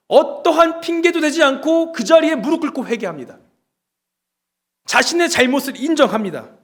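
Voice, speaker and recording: A man's voice: high-pitched, fairly bright tone. A male pastor preaching a sermon, telling the story with animation and putting questions to the congregation.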